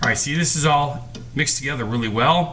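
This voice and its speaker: Noticeable background noise and audible room echo around a man's fairly high voice, pitch variation ordinary. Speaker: cooking show host and costume entertainer. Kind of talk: cooking tutorial. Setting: home kitchen. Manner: casual, with filler words. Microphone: recorded with cheap action camera.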